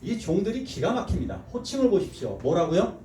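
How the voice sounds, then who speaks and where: A man's voice: sits high, big pitch swings, quick pace, warm tone. A man preaching a sermon as pastor, acting out quoted speech and laughing often. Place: church sanctuary. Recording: echoey church hall from far off, faint noise.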